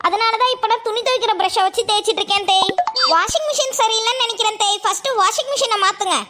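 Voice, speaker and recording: A woman's voice: extremely high pitch, fast, loud music behind the voice. A woman voicing a clueless, cheerful young daughter-in-law in a cartoon, naive and eager to please. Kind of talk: cartoon voice acting.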